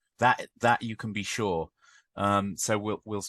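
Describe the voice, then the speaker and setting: In an English accent, a man with a fairly low pitch and a bright, sharp tone speaks at a moderate pace, the sound dry and close with no echo over a quiet background. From England. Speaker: ecologist and PhD candidate, podcast host. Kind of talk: casual conversation. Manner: halting, many fillers.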